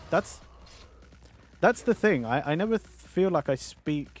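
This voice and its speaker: This man speaks with a British accent at a moderate pace. His intonation is lively. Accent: British, drops T's. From London, England. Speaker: vtuber gaming streamer. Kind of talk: live-stream chat. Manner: clear enunciation; casual, conversational.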